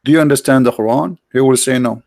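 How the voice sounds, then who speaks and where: A man's voice: mid-range voice, fast talker, gravelly, darkish tone, dry recording, clean studio sound. A man from the Arab world, a native Arabic speaker, pressing his points in a heated debate with repeated, interrupting questions.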